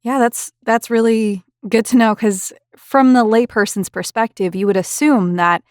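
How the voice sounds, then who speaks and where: A woman's voice: fairly high pitch, steady tone, moderate pace, a little mellow, no echo, clean studio sound. A woman interviewing a guest in a conversational way.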